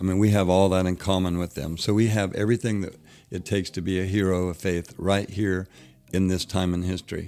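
A man speaks at a fairly quick pace in a very deep, low pitch with a dark, mellow tone. His intonation is monotone and flat, in a very clean recording with a silent background. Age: 60s. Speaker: rodeo champion. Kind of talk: casual chat.

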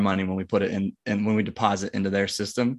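A man's voice over a quiet background. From Nebraska, US Midwest. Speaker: wealth consultant, former nurse. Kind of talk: interview. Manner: casual, many fillers.

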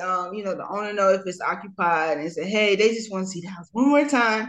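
This woman has a Southern US accent. She speaks at a fairly quick pace. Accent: Southern US (Georgia). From US South, Georgia. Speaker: real estate agent, military veteran. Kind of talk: interview. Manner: hesitant, many fillers.

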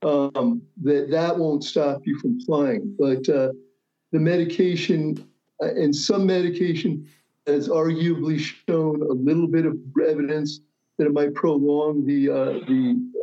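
At a fairly slow pace, a man with an American accent talks at a fairly high pitch for a man with ordinary pitch variation. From New York, with years in Athens, Greece. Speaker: author, former navy and airline pilot. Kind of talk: casual interview. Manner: halting.

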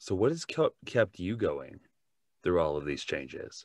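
A man with vocal fry and a fairly low pitch speaks at a fairly slow pace, his pitch swinging very widely in a dry, close sound with no echo. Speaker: podcast host and voice actor. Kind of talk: casual interview.

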